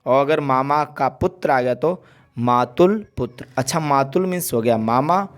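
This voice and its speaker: A man's voice: medium pitch, a little slow. A male teacher giving an exam-prep lesson, drilling word lists with frequent check-ins and playful examples.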